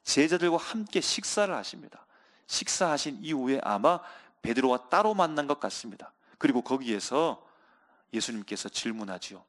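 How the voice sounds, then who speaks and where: A male pastor preaches a sermon earnestly, often calling out to the congregation and slowing down for emphasis. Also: medium pitch, very animated, fairly bright tone.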